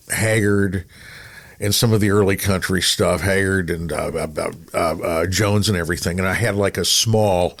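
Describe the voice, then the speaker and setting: A middle-aged man from Minnesota with a fairly low voice hosts a relaxed conversation. He rambles through questions and stories, circling back and repeating words as he goes. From Minnesota, United States. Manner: rambling, halting, repeats himself. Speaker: podcast co-host, radio veteran. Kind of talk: casual conversational interviewing.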